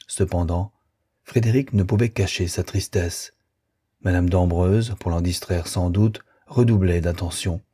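A man narrating a classic novel as an audiobook, in a measured, even storytelling manner. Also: low-pitched, slightly rough. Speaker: audiobook reader.

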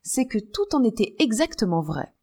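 A woman's voice: a little high, very animated, normal speed, dark tone, slightly rough. A woman reading a novel aloud as a first-person audiobook narrator. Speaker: audiobook reader.

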